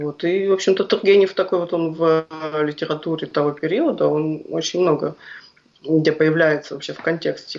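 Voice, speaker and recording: A woman speaks with a very deep, low voice over noticeable background noise. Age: 30s. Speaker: writer and columnist. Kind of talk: radio interview.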